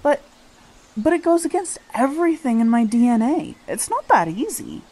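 A woman's voice: high voice, sing-song, moderate pace, dark tone, poor audio. A woman playing a stubborn, inquisitive young investigator in a radio drama, earnest and conversational. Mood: resistant. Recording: clear background ambience noise.

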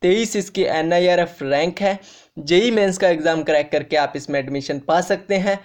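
This is a man with a high voice and moderate pace presenting an informal student explainer on YouTube. Repetitive by habit, he goes over each fact more than once and talks to his viewers directly as friends.

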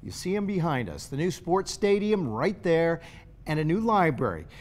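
A man's voice: on the high side, big pitch swings, normal speed. A middle-aged man anchoring a studio newscast with polished, formal delivery. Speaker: news anchor. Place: TV news studio.

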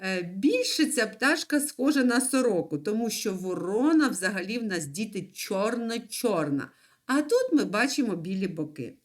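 Вчителька початкових класів проводить онлайн-урок для маленьких дітей, повільно й наспівно розтягуючи склади. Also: female voice, medium pitch, expressive. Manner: slow, sing-song, stretches syllables. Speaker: primary school teacher. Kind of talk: online lesson for young children.

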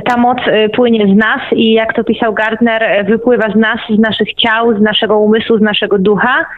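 A woman's voice: on the high side, steady tone, a little fast. Woman on a tinny phone-like line. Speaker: interview guest, writer and lecturer. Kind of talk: explanatory radio conversation.

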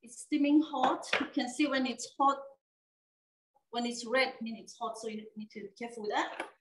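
A woman's voice: a little high, moderate pace, noisy background. A woman hosting a cooking demonstration, explaining each step casually with many fillers and frequent "okay?" checks. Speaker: cooking show host. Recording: echoey room, mic at a distance.

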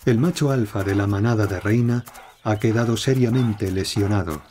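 A man reads scripted nature documentary narration in a measured, dramatic storytelling way. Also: on the low side, darkish tone, slight background noise. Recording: studio voice-over over prominent music. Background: music, animal sounds.

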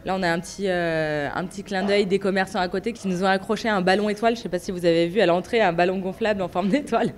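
A woman restaurant owner answering interview questions, excited and laughing often. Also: mid-range voice, quick pace, few pauses, a little hiss or hum.

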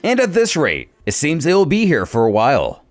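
Animated male story narrator over music. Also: on the high side, brisk. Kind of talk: dramatic scripted story recap narration.

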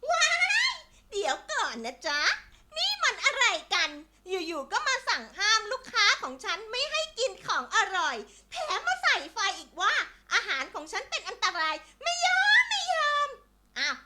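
A woman voicing a frizzy-haired witch who sells pies, with a shrill, cackling, theatrical voice, in a children's storybook. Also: wildly swooping pitch, normal speed, very noisy, heavily acted. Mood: indignant.

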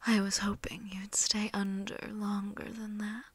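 A haughty, hungry vampire mistress whispering slowly and breathily at her captive's neck in a late-night ASMR roleplay, dry and close played by a woman. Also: mid-range voice, level tone, breathy edge, no room sound. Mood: haughty, annoyed. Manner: whispered, slow, teasing, condescending. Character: seductive, haughty, hungry female vampire mistress toying with prey. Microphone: close microphone.

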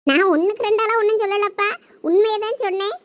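A cheeky, talkative young college girl, acted by a woman in a village comedy skit. Her voice sits very high and she keeps up a teasing, chatty manner. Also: quick pace, lo-fi sound. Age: young adult. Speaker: comic skit actor.

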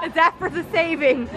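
A woman vlogging with a handheld camera, chatting playfully and narrating a bowling game as she plays. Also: very high-pitched. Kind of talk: casual vlog commentary. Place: busy bowling alley, indoors. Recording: loud crowded bowling alley noise. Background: loud crowd and alley noise.

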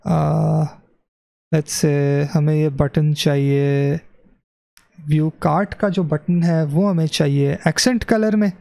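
A man with a gravelly, somewhat raised voice talks slowly through a screen-recorded web design lesson. He thinks aloud, corrects himself often and slips English phrases into his explanation. The sound is close and dry, with no room around it. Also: on the high side, fairly even intonation, dark tone, no echo. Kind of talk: screen-recorded software tutorial.

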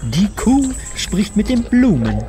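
A man's voice: high voice, huge pitch swings, slow pace, music in the background, exaggerated voice. A man playing a fussy, literal-minded android servant in a comedy audio drama, formal and pedantic in manner. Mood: pedantic, polite.

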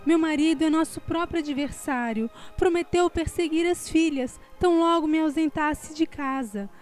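High-pitched, distressed haughty woman acted out. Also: normal speed, darkish tone, faint music behind, lightly acted. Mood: anxious pleading. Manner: pleading, indignant, formal. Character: distressed, haughty wife and mother, departed spirit. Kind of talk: radio drama acting.

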